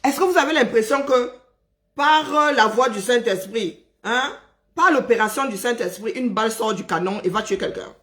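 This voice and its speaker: A man's voice: very high-pitched, normal speed, a bit bright. A man from Cameroon, ranting on a live stream, agitated and indignant, hammering his points home by repeating phrases. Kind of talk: angry live-stream rant.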